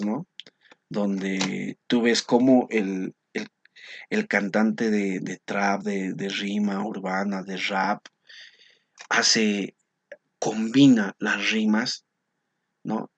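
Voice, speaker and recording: Low-voiced man teaching a poetry class. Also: slightly rough. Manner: explanatory, checks in with frequent tag questions. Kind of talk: recorded class lesson on poetry.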